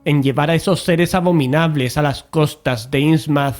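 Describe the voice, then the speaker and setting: Higher-voiced Spanish man telling a horror tale as an actor. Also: normal speed, a little mellow, natural voice. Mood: grave, narrative. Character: male investigator recounting a cosmic horror expedition. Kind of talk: scripted audio drama narration.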